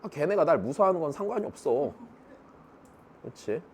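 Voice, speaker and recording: A man's voice: fairly high pitch, animated, normal speed, darkish tone, a little hiss or hum. A male math teacher joking bluntly and crudely with his students in casual classroom banter.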